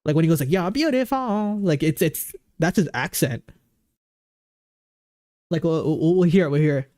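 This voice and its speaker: A woman's voice: deep voice, moderate pace, mellow, dry recording, clean studio sound. A woman live streaming while gaming, chatting casually with viewers into a desk microphone and reading their messages aloud. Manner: chatty, reads chat aloud, keeps breaking into song. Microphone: desk microphone on an arm.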